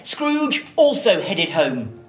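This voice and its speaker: Female children's storyteller, theatrical, slow and deliberate, highly animated intonation. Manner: dramatic, deliberate phrasing.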